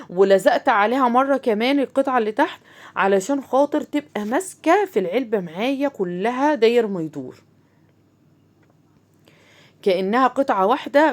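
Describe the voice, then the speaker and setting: Egyptian lady doing a craft tutorial, talks quick and chatty, keeps talking right to the viewers. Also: medium pitch. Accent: Egyptian Arabic. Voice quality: chatty, talks straight to viewers, many fillers. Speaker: crafts channel host.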